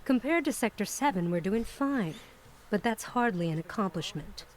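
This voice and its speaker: A woman's voice: medium pitch, expressive, normal speed, close to an everyday voice. An actress playing a world-weary woman in a video game, speaking in a dry, sardonic way. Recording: game audio, faint background noise.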